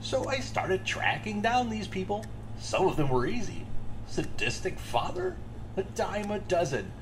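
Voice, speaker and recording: Audio drama serial killer, played by a man: talkative, volatile, casually menacing, very lively pitch, noisy background. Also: measured pace, heavily acted. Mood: gleeful, boastful. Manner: rambling, casually menacing, demanding answers. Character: chatty, volatile serial killer boasting to a captive.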